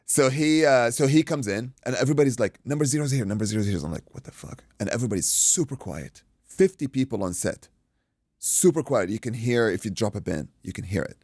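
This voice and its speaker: A man from Iraq, a boxing coach and guest, telling an animated story in casual chat, acting out quotes and swearing freely. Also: mid-range voice, brisk, dry recording, clean studio sound.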